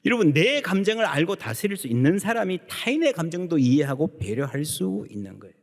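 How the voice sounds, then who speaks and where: A man preaches from the pulpit with a lively, swooping delivery, his voice sitting a little high for a man. He slips into little acted voices for the people he quotes. The sound rolls through a church sanctuary with a long reverb behind each phrase. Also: a little fast. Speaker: pastor. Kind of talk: sermon.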